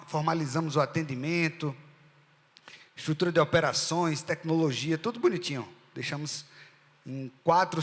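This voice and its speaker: A middle-aged man with a Northeastern Brazilian accent gives a talk from a stage. His voice sits a little high for a man. The sound carries a long reverb from the hall. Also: fairly bright tone. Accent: Northeastern Brazilian, from Rio Grande do Norte. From Rio Grande do Norte, Brazil. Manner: conversational, asks the audience questions. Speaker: speaker at a live event. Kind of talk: storytelling keynote talk.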